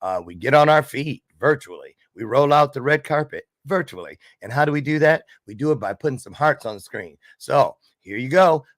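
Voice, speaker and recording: A man hosting a casual online chat show, with playful, teasing questions. His voice sits at a middle pitch, and the call audio is dry and close. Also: lively intonation, brisk, few pauses, fairly bright tone, no room sound. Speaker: show host. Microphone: video call.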